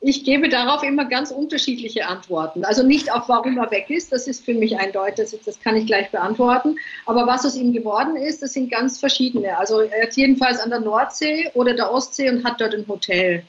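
A woman's voice: a little high, fairly quick. An older woman from Vienna, a guest author chatting in a remote interview and filling her thoughts with ums. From Vienna, Austria. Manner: chatty, thinks aloud with many fillers. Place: at home on a holiday island, remote. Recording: dull lo-fi remote line.

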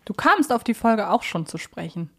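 A woman's voice: mid-range voice, very animated, moderate pace, fairly bright tone. Female podcast co-host, middle register, informal conversational quiz delivery. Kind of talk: casual quiz chat about audio dramas.

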